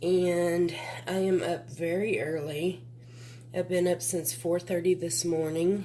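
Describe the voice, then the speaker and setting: A woman with an American accent, fairly low pitch and ordinary pitch variation, at a very slow pace against noticeable background noise. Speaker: vlogger and reborn doll collector. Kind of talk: casual vlog. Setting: at home in nursery. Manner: quiet, talking low.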